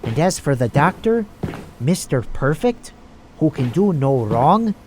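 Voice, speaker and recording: A man's voice: on the high side, very animated, a little slow, background noise. A man playing a gloating, villainous doctor and drug-addicted schemer in an audio drama, talking in a theatrical, smug and menacing way. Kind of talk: amateur audio drama acting.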